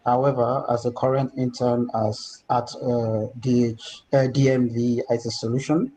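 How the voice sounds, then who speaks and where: Mellow man with a rehearsed pitch. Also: little pitch movement, a little slow, slight background noise, rough recording. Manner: polished, recited. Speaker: IT intern in mock interview. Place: home room on video call.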